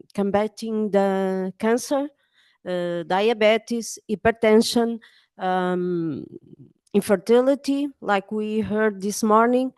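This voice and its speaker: A Portuguese-accented woman speaking English as a second language, a journalist giving a halting conference talk full of fillers. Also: on the high side, clear, resonant tone, no room sound. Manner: hesitant, many pauses and fillers. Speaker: journalist and editor.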